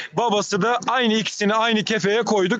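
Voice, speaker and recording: A man with a Turkmen accent talks at a moderate pace in a high pitch. Noticeable background noise runs underneath. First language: Turkmen (speaking Turkish). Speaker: activist. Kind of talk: live stream speech at protest. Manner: halting, many fillers.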